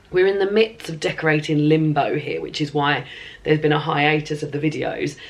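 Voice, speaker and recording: A hoarse woman with a chesty cough, chatting casually to camera in a rambling reading vlog from her bed at home, with plenty of ums and throat clearing. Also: deep voice. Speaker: book vlogger.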